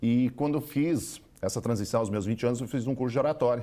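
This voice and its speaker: Its pitch moves in an ordinary way, and the tone is dark and mellow. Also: man. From southern Brazil, western Santa Catarina. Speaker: entrepreneur and public speaking teacher. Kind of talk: TV interview.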